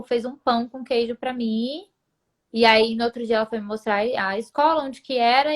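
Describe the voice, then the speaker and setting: A young woman chatting casually as a guest, telling stories with animation and her voice jumping up when she gets to the dramatic parts. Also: fairly high pitch. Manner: animated storyteller, voice jumps up when retelling. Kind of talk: casual chat.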